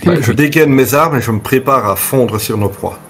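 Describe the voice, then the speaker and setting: A man's voice: medium pitch, expressive, normal speed, faint music behind. A man taking part as a player in a tabletop roleplaying game, talking casually.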